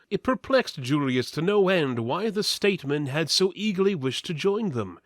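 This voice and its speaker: A man's voice: medium pitch, no room sound, studio quality. A man giving a dramatic, mock-epic reading of a fantasy tale as its narrator. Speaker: narrator, reader.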